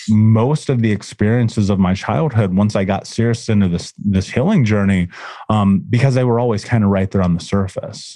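A man's fairly low, dark, mellow voice with a Midwestern American accent and ordinary pitch variation. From US Midwest (Indianapolis). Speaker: motivational speaker and coach for trauma survivors. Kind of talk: interview, personal testimony.

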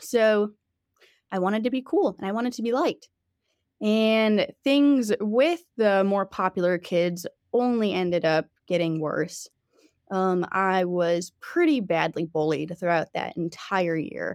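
A woman with a plain, everyday voice and an American accent speaks at a fairly slow pace and medium pitch with lively intonation, the sound dry and close with no echo in a very clean recording with a silent background. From US Midwest, Chicago area. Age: young. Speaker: athlete. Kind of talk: testimony.

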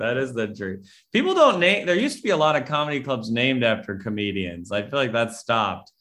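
The speaker has a bright, sharp tone and a lively intonation with an Upper Midwest accent. The pace is fairly quick. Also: man, hardly any pauses. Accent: Upper Midwest American. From Minnesota, Twin Cities. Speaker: stand-up comedian. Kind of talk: casual chat.

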